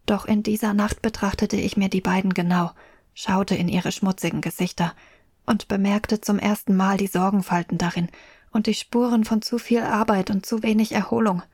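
A woman's voice: mid-range voice, steady tone, normal speed, a little mellow, slightly rough, no echo, studio quality. A woman playing a youngest medieval sister who looks back, wistful and reflective, as narrator of a radio drama.

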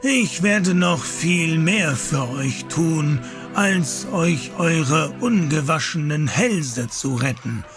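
An actor playing a sly medieval priest in a German audio drama, measured and paternal, patronizing with a quiet menace. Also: male voice, a little high, expressive, over music. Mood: smug, paternal.

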